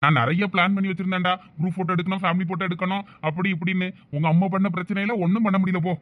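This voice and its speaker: A man's voice: high-pitched, steady tone, very fast, narrow, tinny audio, natural voice. A man voicing a flustered young village husband in a comic cartoon family drama, with a Thoothukudi Tamil accent and a pleading, coaxing manner. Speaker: cartoon voice actor.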